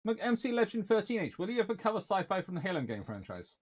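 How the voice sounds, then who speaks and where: Wry man, lively chatty delivery. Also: high-pitched, fast, slightly rough. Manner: chatty, wry, with dry humour and frequent fillers. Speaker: naval historian answering viewer questions. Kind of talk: casual livestream Q&A. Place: small home study with bookshelves.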